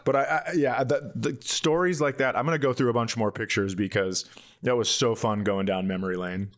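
A male comedy podcast host with an average-pitched voice. He talks casually, spinning anecdotes and slipping into crude jokes and swearing. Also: fairly even intonation, brisk.

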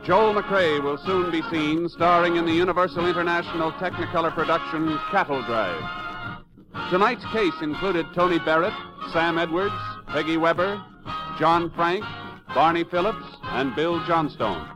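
A man's voice: a little high, moderate pace, poor audio. An American man announcing in formal, scripted 1950s radio style. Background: loud music.

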